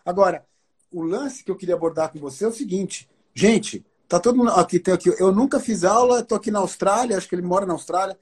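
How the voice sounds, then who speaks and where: A man on a live podcast as the guest, talking in a slangy, joking, excitable way. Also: high voice, fast talker, slightly rough. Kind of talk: casual live chat.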